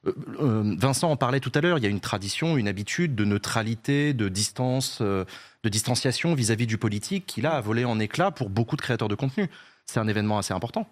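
A man's voice: mid-range voice, expressive, fast talker. A man hosting a talk show, introducing guests and framing their questions. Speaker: host.

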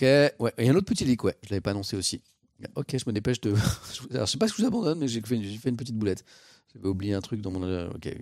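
A man's voice: lowish voice, mellow, no echo, studio quality. Theatrically exasperated streamer, man. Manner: theatrical mock exasperation, swearing. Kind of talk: casual live-stream chat.

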